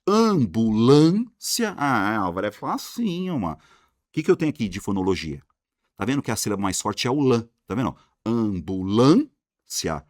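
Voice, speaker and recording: A man with a Brazilian accent giving an energetic grammar lesson, talking in slang and answering his own questions. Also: on the low side, dry recording, clean studio sound. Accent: Brazilian Portuguese. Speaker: Portuguese grammar teacher.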